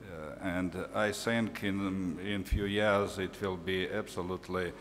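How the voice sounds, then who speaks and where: A man's voice: sits low, steady tone, unhurried, in a large hall, slight background noise. Hesitant man with a Ukrainian accent. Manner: hesitant, many fillers. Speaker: moderator. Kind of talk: chairing a Q&A. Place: large university hall.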